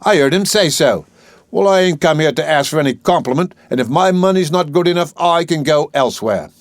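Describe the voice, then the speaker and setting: A man's voice: a little high, expressive, a little fast, no room sound, voice pushed up, natural voice. A man voicing a proud, touchy young flower girl with a saucy, defiant manner.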